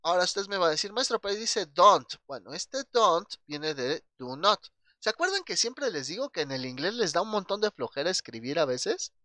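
A man's voice: on the high side, very animated, normal speed, bright, forceful tone, no echo. A man with a Mexican Spanish accent teaching an English grammar lesson, patient and checking in often with his class.

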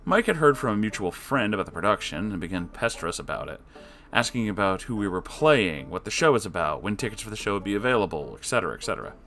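Sarcastic low-voiced man reading a story. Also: quick pace. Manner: sarcastic asides to the listener; lively, swings between loud and quiet. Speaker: story reader. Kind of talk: reading an online story aloud with comments.

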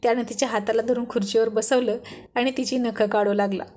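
Woman reading a love story out loud, kinda high voice, chatty. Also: fairly even intonation, a little fast, slight background noise. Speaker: narrator.

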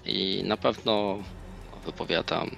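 A man in his thirties, a tabletop game player, describing his character in a measured, deliberate way on an online call. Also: sits low, fairly even intonation, vocal fry, fairly bright tone. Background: faint background music.

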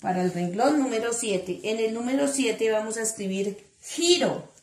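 A woman teacher, dictating words slowly and syllable by syllable to young children in an online class. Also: fairly high pitch, a little mellow. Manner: slow, syllable-by-syllable dictation with endearments. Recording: echoey room.

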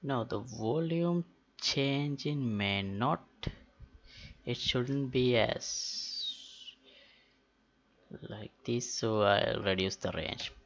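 A man talking through a software tutorial unscripted, thinking aloud in a halting way with pauses mid-sentence. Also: medium pitch. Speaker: tutorial host. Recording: dull, muffled lo-fi voice-over. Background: keyboard typing and mouse clicks.

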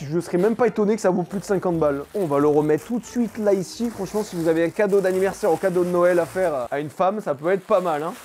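A man's voice: sits high, fast, few pauses, a little mellow, a little hiss or hum. Young guy opening lost parcels on camera, chatty, slangy, laughs a bunch. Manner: chatty, slangy, laughs often, talks to viewers. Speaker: unboxing vlogger. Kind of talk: casual unboxing commentary.

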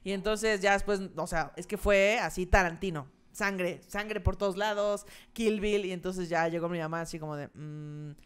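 A woman's voice: mid-range voice, smooth. A young adult woman with a Mexican accent, co-hosting a casual podcast chat and joking through her own story. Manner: quick reactive interjections, joking. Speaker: co-host.

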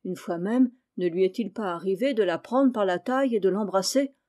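A respectable middle-aged landlady speaks with agitation, pleading her son's innocence, voiced by a woman reading an audiobook. The voice sits at a middling pitch with a soft, mellow tone. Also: normal speed, natural voice. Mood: anxious.

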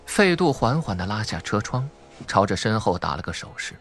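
A man's voice: lowish voice, sing-song, moderate pace, a bit bright. A man narrating suspense fiction from a script in a dramatic audiobook style.

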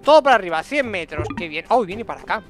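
A man's voice: high-pitched, sing-song, fast talker, soft background music. A young adult man from Spain with a Spanish accent, giving casual, playful gameplay commentary as he chats to himself on a headset mic. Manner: chatty, playful self-talk with diminutives. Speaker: video game streamer. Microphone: headset microphone.

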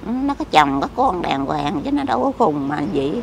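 A woman's voice: fairly low pitch, sing-song, fairly quick, gravelly, background noise. An older woman, frail, chatting in a rambling, repetitive way as she is interviewed outdoors. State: frail, weak. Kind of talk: casual chat. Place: outdoors near a cemetery.

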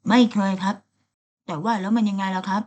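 A woman's voice: medium pitch, fairly even intonation, brisk, darkish tone, voice pushed up, close to an everyday voice. A woman voicing Ava, a coaxing young merman. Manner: pleading, whiny and coaxing. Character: sweet young male mermaid, pouty and coaxing.

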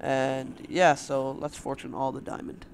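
Young male gamer host, casual rambling commentary, slightly raspy morning voice, mid pitch, faint hum behind. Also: level tone, unhurried. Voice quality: loose, rambling, filler-heavy. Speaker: let's play host.

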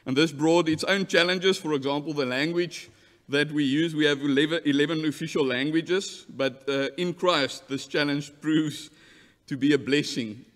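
A man's voice: fairly high pitch, moderate pace, a bit bright. A man in his thirties from South Africa with an Afrikaans accent, a church delegate earnestly addressing an assembly from a lectern, often restarting words. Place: large church hall. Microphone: lectern mic. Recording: long hall reverb.

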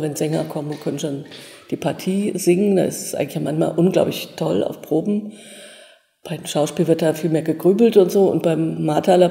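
A woman's voice: low voice, creaky, dark tone. Older woman, stage design professor, interview, hesitant and rambling, roomy reverb. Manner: hesitant, rambling, many fillers. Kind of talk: relaxed interview talk. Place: office with bookshelves. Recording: echoey room with long reverb.

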